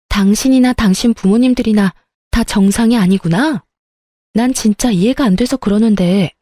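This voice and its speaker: A woman's voice: fairly high pitch, dark tone, dry recording, studio quality, natural voice. A woman voicing a scornful young bride-to-be. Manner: cutting, scornful, blunt. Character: sharp-tongued young woman calling off her wedding.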